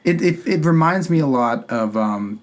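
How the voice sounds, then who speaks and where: A man's voice: fairly high pitch, expressive, normal speed. A man co-hosting a podcast, chatting casually about films and often repeating himself as he goes. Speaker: podcast co-host. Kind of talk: casual film discussion.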